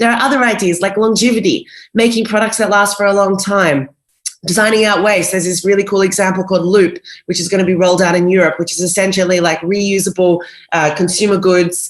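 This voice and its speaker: A woman with an Australian accent, medium pitch, fairly even intonation, and a very fast pace. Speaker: sustainability designer and speaker. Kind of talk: lecture.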